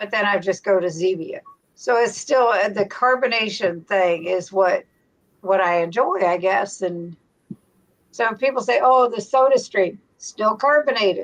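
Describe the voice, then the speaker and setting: At a fairly slow pace, a woman speaks in a plain, everyday voice with medium pitch and ordinary pitch variation. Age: 60s. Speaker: YouTuber.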